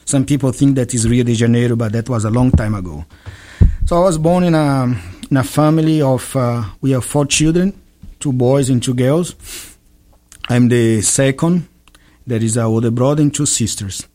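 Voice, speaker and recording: Brazilian priest with halting English. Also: male voice, medium pitch, mellow. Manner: chatty, joking, frequent hesitations. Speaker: Catholic priest. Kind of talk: interview, personal story.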